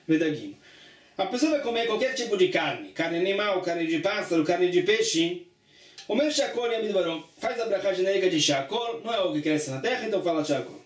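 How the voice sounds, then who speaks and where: High-voiced man teaching from afar, echoing. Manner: reads text aloud, then explains it plainly with repetitions. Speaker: Talmud teacher. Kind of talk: religious study lesson. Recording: echoey room, distant mic.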